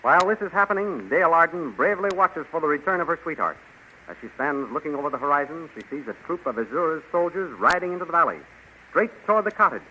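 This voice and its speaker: A man's voice: a little high, animated, quick pace, sharp tone. A man narrating a 1930s radio serial in a dramatic, announcing manner. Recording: dull, hissy 1930s radio transcription.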